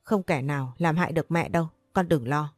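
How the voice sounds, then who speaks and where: A woman's voice: deep voice, fairly quick, no room sound. A woman voicing a protective elderly mother in a storybook, speaking firmly and reassuringly. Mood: defiant. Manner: firm, reassuring.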